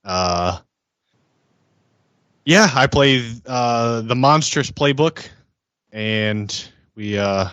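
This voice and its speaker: A man chatting casually as a game podcast player, halting and rambling a little. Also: medium pitch, expressive, a bit bright, smooth. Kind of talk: casual chat. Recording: roomy, dull lo-fi mic.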